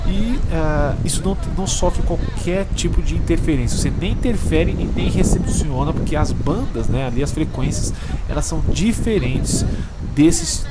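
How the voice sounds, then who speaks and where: A man with a Brazilian Portuguese accent explaining a product casually as a vlog host, chatty and often checking in with listeners. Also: medium pitch. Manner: chatty, constant check-in tags. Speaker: drone channel host. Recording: loud wind and traffic noise.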